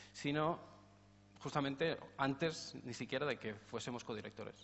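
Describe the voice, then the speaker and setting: A man speaks in a plain, everyday voice. His intonation is fairly even. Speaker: crowdfunding platform representative; speaker. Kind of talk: conference presentation. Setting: stage with audience. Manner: casual, jokey. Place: stage. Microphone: lapel.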